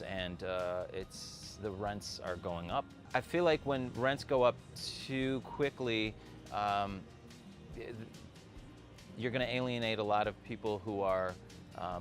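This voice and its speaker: A middle-aged man from Iraq, a small business owner, speaking reflectively in a documentary interview with many pauses and fillers. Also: on the low side. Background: background music.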